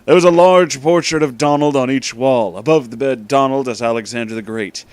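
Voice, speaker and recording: A man's voice: mid-range voice, brisk, darkish tone, no room sound. A man hosting in a casual, informal way, with emphatic, dramatic delivery. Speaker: host reading fan fiction aloud. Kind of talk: casual comedic storytelling.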